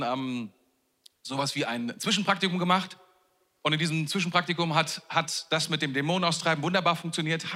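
A man's voice: sits high, pushed and bright. A man preaching a sermon as a pastor, in a chatty, joking way that often repeats words. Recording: long reverb of a large hall.

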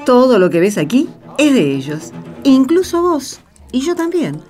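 An Argentine woman playing a bossy, resigned senior servant in a religious radio play, brisk and mocking. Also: high-pitched, sing-song, a little mellow, soft background music.

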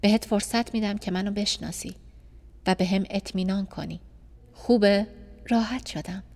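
A woman's voice: medium pitch, steady tone, darkish tone, big-room sound, lightly acted. A woman voicing an earnest, persistent male doctor who is in love, speaking insistently and directly in a storybook reading.

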